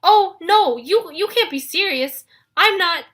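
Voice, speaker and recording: A woman voicing a nervous adolescent male satyr who stammers and talks in a high, fluttery way. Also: very animated, a little slow, sharp tone, exaggerated voice. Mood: panicked.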